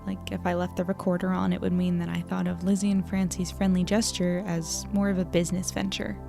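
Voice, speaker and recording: A woman's voice: lowish voice, flat delivery, fairly quick, creaky, dark tone, faint music behind. A woman playing a candid, self-deprecating young journalist, reflective and a little hesitant, in a confessional audio drama diary. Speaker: lead actor and narrator of an audio drama.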